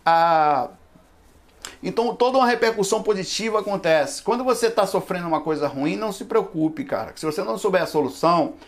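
Man, 40s, high-pitched, loose rambling spiritualist lecture on a livestream, lots of asides. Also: lively intonation, brisk. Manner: conversational, rambling, with frequent asides. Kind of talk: casual livestream talk. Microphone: camera microphone.

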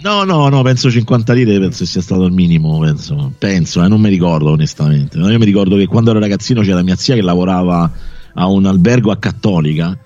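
A man's voice: low voice, animated, quick pace, darkish tone, dry recording. A man in his late forties chatting casually and reminiscing, colloquial and a little profane. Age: late 40s. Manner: colloquial, mildly profane, hedging. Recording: dull, muffled lo-fi audio.

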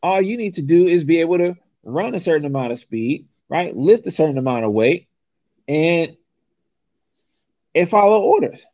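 A man's voice: fairly high pitch, sing-song, normal speed, no room sound, highs cut off. A young man from San Francisco, talking casually and emphatically, often ending points with a rhetorical "right?". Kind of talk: casual conversation.

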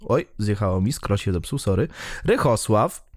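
A man's voice: fairly low pitch, lively intonation, moderate pace. A man co-hosting a casual podcast chat, often laughing, swearing and repeating himself. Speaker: podcast co-host.

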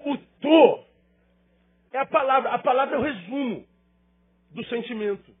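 Husky high-voiced male pastor preaching. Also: normal speed, phone-quality sound. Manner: emphatic preaching, rhetorical questions and repetition. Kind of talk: sermon.

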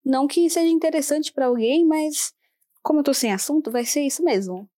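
A woman's voice: high voice, a little fast, warm tone, dry recording, studio quality. A young woman hosting a casual solo podcast, chatty and self-mocking, swearing now and then. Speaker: podcast host.

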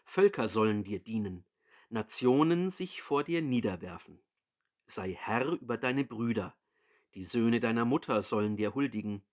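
A man voicing an old blind father who gives a solemn, measured blessing. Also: fairly low pitch, lively intonation, a little mellow.

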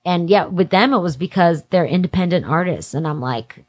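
A woman in her late twenties with a slightly low voice, talking candidly as a guest in an interview. Her phrasing is loose and slangy, peppered with "like", as in a chat between friends. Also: lively intonation, moderate pace, slightly rough. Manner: informal slang-filled talk, heavy use of "like". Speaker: interview guest working in music industry event production. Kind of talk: casual candid conversation.

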